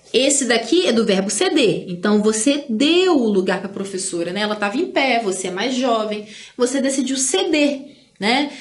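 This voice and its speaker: A Brazilian Portuguese-speaking woman teaching an online grammar lesson in a chatty way, often tagging "né?" and drawing out example words. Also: sits high. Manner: chatty, tags phrases with "né?"; drawls out example words slowly.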